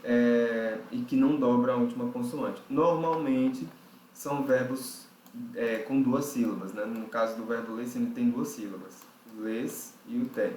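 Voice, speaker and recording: A man's voice: mid-range voice, fairly even intonation, normal speed, a little mellow. Man teaching patiently in a roomy space. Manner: patient, explanatory, checks understanding with frequent "ok?". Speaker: English teacher. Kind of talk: recorded online lesson. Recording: roomy recording with faint background noise.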